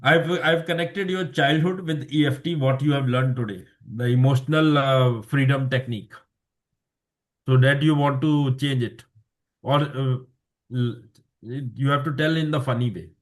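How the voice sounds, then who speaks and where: A man runs an impromptu speaking session over a video call. He speaks haltingly and often stops to rephrase while he searches for the right words. His pitch sits in an ordinary middle range. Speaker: table topics master. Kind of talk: hosting a club speaking session.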